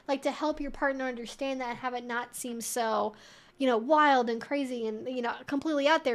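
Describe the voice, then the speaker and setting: A woman with a high voice talks as the host of a casual livestream Q&A. She explains things candidly and conversationally, wandering into asides as she goes.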